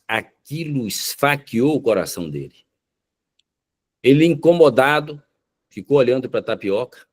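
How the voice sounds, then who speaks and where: Dramatic low-voiced male preacher. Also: a little mellow. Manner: dramatic, slows down for emphasis. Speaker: pastor. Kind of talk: sermon storytelling.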